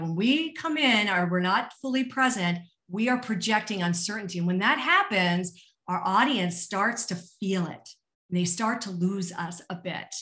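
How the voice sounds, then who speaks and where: A woman's voice: mid-range voice, fairly bright tone. A middle-aged woman presenting an online webinar as a career coach, conversational and encouraging, speaking directly to her listeners. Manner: encouraging, addresses listeners directly with rhetorical questions. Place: small indoor room, online webinar. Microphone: video call.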